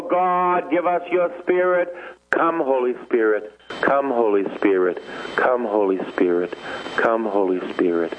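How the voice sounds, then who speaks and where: A priest preaching to radio listeners, retelling scripture stories with mimicked voices and then leading a long repeated prayer. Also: male voice, high voice. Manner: storytelling preaching, mimics voices, prays in repeated invocations and tongues. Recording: tinny lo-fi radio broadcast.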